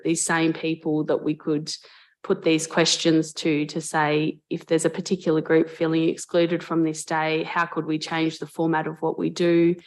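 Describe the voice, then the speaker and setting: An Australian woman, a mayor, speaking earnestly and in a measured way in a council debate, with frequent ums and restarts. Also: low voice, low-quality recording. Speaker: mayor chairing a council meeting. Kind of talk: formal council debate speech. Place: council chamber.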